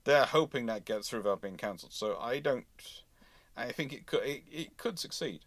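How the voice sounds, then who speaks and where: A man's voice: mid-range voice, animated, moderate pace, fairly bright tone, no room sound. Guy hosting a live q&a, chatty and opinionated, repeats himself to make a point, close dry sound. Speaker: host of naval history live stream. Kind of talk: informal live question-and-answer commentary.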